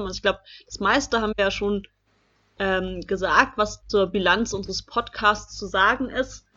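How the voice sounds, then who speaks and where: Fairly high in pitch, a woman's voice carries vocal fry and fairly even intonation. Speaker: podcast co-host. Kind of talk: casual chat. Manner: halting.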